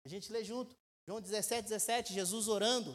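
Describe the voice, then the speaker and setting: A man, preaching a sermon as a pastor. He speaks with emphatic rhetorical questions and swings between loud and quiet. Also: sits high, fairly even intonation, a little fast. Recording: echoey church hall with long reverb.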